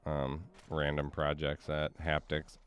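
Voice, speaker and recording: Very deep-voiced man chatting. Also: completely flat delivery, slow pace, smooth. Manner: rambling, many fillers. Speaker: streamer. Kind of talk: casual gaming chat.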